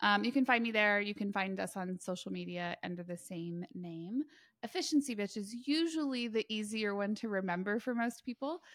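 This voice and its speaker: A woman of medium pitch speaks at a moderate pace with lively intonation in an unremarkable speaking voice. The recording is very clean, with a silent background. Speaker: CFO, author and business owner. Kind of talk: casual chat.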